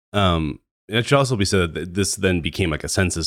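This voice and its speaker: Very fast speech from a man with vocal fry, on a very clean recording with a silent background. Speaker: podcast host interviewer. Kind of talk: interview conversation.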